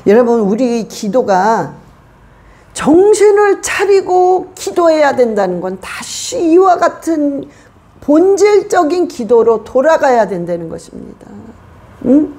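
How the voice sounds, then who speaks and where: A woman pastor delivers a passionate church sermon, her high voice swinging widely in pitch. She keeps putting rhetorical questions to the congregation and leans hard on each point. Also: sing-song, a little slow, warm tone. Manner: emphatic preaching with rhetorical questions.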